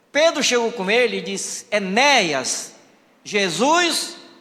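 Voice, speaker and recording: With a raised, projected voice, a man speaks at a high pitch that moves in very wide pitch swings. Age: 60s. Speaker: pastor. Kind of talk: sermon. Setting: church.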